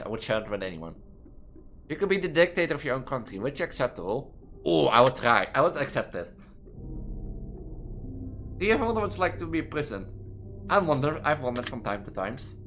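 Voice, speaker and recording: Young trans woman w dutch accent reading out quiz questions, keeps restarting words, chatty and halting, soft music in the background. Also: a bass voice. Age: young adult. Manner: rambling, halting, often restarting words mid-sentence. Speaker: gaming video creator. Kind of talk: casual commentary reading quiz questions aloud. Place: student apartment.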